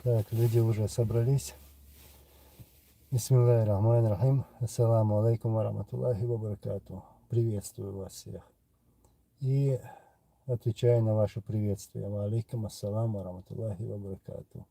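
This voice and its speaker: Gravelly, dark-voiced Chechen-accented man. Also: lowish voice, steady tone. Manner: unhurried, pausing often with filler sounds. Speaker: livestream host answering viewer questions. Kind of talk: casual live chat reading comments.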